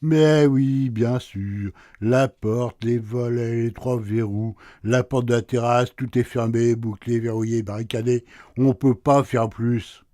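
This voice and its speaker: A man's voice: medium pitch, steady tone, slow, dark tone, no room sound, lightly acted. An actor playing a sleepy, teasing husband in a radio play, answering his wife with dry sarcasm. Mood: grumpy, teasing. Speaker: husband woken at night.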